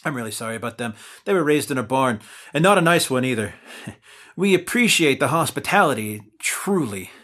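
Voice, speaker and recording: A man's voice: medium pitch, lively intonation, fairly quick, fairly bright tone. An actor playing a weary young man who keeps his two bumbling companions in line, with an exasperated straight-man delivery. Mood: polite. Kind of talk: audio drama acting.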